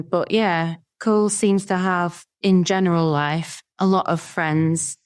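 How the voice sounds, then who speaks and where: A woman's voice: lowish voice, clear, resonant tone. A woman, a podcast guest who answers in an easygoing, thoughtful way. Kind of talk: casual interview answers.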